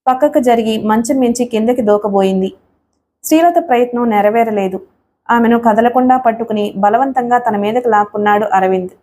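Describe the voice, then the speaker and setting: A woman narrating an audio story with a steady, dramatic reading. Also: a little high, moderate pace.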